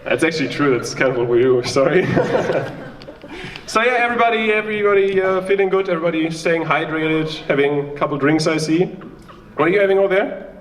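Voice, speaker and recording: A man's voice: a little high, fairly quick, reverberant, distant mic, slight background noise. A young man from Germany with a German accent, doing a chatty, self-mocking stand-up set and bantering with the crowd. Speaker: stand-up comedian. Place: small live venue with audience.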